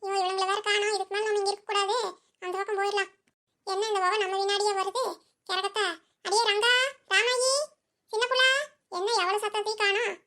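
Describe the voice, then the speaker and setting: A jumpy, frightened young village wife. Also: female voice, very high voice, level tone, quick pace, a bit bright. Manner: anxious, exclaims often.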